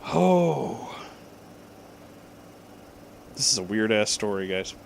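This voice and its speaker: A man giving a comic dramatic reading, deliberately enunciating garbled words and dropping in casual asides. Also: on the low side, big pitch swings, vocal fry, a little hiss or hum. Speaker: reader and commentator of bad fan fiction.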